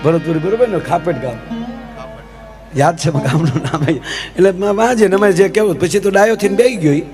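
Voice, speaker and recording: High-voiced folk comedian. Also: male voice, animated, fairly quick, music in the background. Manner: chatty, addresses the audience as "sir", rhetorical questions. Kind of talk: live stage comic storytelling.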